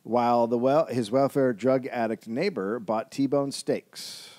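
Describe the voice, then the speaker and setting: A man's voice: medium pitch, fairly even intonation, a little slow, a little mellow, no room sound. A man co-hosting a comedy podcast, reading quotes aloud and answering them with exasperated, profane comments. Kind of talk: casual comedic banter.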